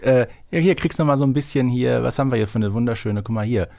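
A man's voice: medium pitch, fast talker, vocal fry, warm tone. A man co-hosting a podcast in casual conversation, teasing and jokingly boastful. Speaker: podcast co-host and quiz contestant. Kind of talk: casual chat.

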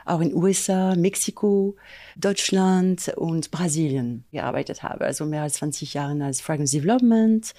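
A middle-aged woman with a French accent talks in a casual interview, often pausing to find her German words. Her voice is mellow and slightly low. The recording is dry and close. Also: dry recording. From France. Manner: halting, searching for German words. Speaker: fragrance design manager.

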